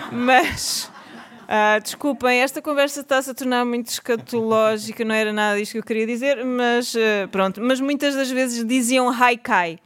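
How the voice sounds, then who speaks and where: A woman's voice: fairly high pitch, clear, resonant tone. A woman with a European Portuguese accent, talking to an audience in a chatty, self-mocking way with many fillers. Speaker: speaker telling her story to an audience. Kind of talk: live talk to an audience.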